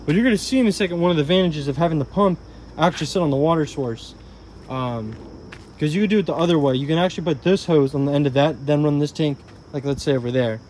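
A man talks through a hands-on tool test in a relaxed, rambling way, full of "um"s and restarts. He is recorded outdoors on a first-person camera. Faint insect and outdoor noise sits behind his voice. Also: on the high side, fast talker. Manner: rambling, self-correcting, filler-heavy. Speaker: tool reviewer. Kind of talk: casual product demo vlog. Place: outdoor garden walkway by a tree. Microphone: body-worn camera, first-person view.

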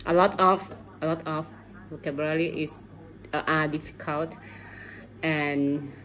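Holding her phone at arm's length indoors at home, a middle-aged Thai woman speaks an unscripted video message in hesitant learner's English, reaching for words. Her low-pitched voice is steady and measured, a bit bright, with slight background noise. The recording is low-quality.

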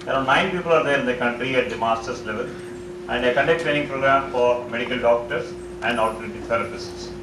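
A middle-aged man with an Indian English accent gives a halting conference talk as a psychologist, full of uh fillers and restarts, on a large auditorium stage. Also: medium pitch. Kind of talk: conference presentation. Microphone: distant room mic, speaker standing on stage. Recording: echoey auditorium, far from mic, noisy.

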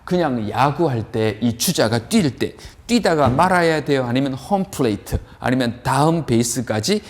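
A man teaching an English lesson, asking his students questions and answering them himself, drawing out the English words slowly as he models them. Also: mid-range voice. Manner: animated, asks and answers his own questions. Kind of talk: lively classroom-style lesson.

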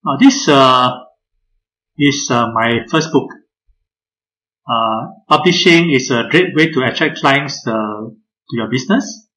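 An older man presenting a talk over a video call, speaking in a measured way and often pausing on "uh". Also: mid-range voice, sharp tone, poor audio. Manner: measured, many filler uhs, addresses the audience directly. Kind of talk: webinar presentation.

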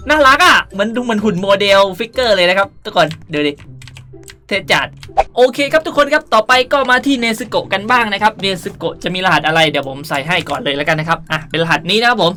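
A woman with a mid-range, fairly bright voice hosts a casual game tutorial as a gaming video host, chatty and playful but still polite to viewers.

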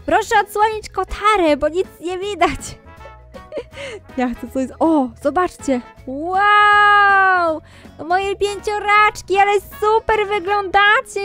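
A woman's voice: extremely high pitch, pushed and bright. Chatty woman playing a fussing mum. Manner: chatty, addresses viewers, fussing mother voice. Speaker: Roblox role-play YouTuber. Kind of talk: game role-play narration.

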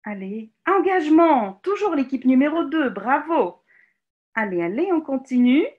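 A woman from Ukraine leading an online teacher workshop in French on a video call, lively and encouraging, with many hesitations and fillers. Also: high-pitched, moderate pace, phone-quality sound. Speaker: teacher trainer giving a webinar talk. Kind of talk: live online workshop presentation. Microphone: computer mic on a video call.

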